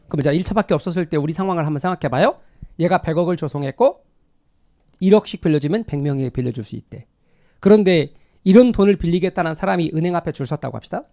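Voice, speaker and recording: A man's voice: a little high, mellow. A middle-aged man giving an explanatory classroom lecture, conversational, repeating key terms and asking rhetorical questions that he answers himself. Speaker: lecturer in real estate exam course.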